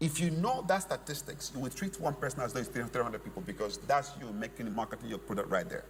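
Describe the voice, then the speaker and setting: A man's fairly high voice at a very fast pace, with hardly any pauses, very wide pitch swings and audible room echo. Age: 50s. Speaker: motivational speaker. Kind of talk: sermon-style teaching.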